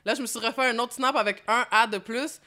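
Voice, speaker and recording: A young woman with a Québécois French accent, a rap artist chatting in an interview, lively and slangy, dropping English words into her French. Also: a little high, a little fast. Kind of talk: casual interview chat.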